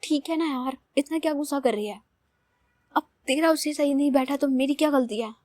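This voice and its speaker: A woman's voice: high-pitched, fairly quick, darkish tone, no room sound, natural voice. Woman voicing Simi, laid-back teasing girlfriend. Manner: soothing, laid-back, joking. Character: easygoing teasing young woman friend.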